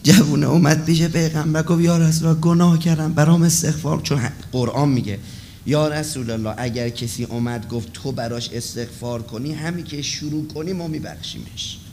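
A man preaching an emotional storytelling sermon at a religious gathering, swinging between loud passages and hushed ones. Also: fairly high pitch, steady tone, slight background noise.

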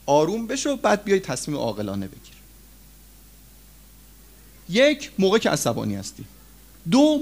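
Male cleric delivering a sermon, somewhat high voice, very lively swings between loud peaks and hushed drops. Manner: animated preaching with sudden loud rises and low drops; addresses listeners as friends. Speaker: cleric preacher.

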